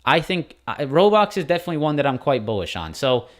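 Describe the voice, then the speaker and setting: A man's voice: on the high side, very animated. A man hosting a morning stock market live stream, casually walking viewers through charts and calling them guys. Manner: quick, informal, addresses viewers as guys.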